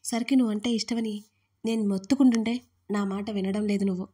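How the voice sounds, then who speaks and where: A woman's voice: medium pitch, fairly even intonation, a little fast, warm tone, slightly rough, lightly acted. A woman voicing a blunt young female friend who scolds and insists in an audio story. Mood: scolding.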